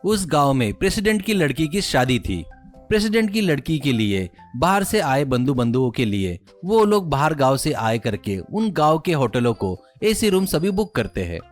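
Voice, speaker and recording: A man's voice: on the high side, sing-song, normal speed, faint music behind. A man with an Indian accent narrating a scripted moral story for a cartoon.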